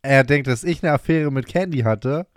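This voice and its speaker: A woman's voice: extremely low pitch, normal speed, dry recording, clean studio sound. A woman co-hosting a podcast, chatting casually and reacting to a story game with short questions. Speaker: podcast co-host playing along. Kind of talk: casual chat.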